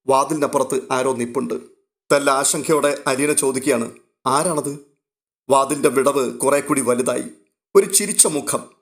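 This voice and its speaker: A man narrating a serialized novel in a steady, even storytelling manner. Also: medium pitch.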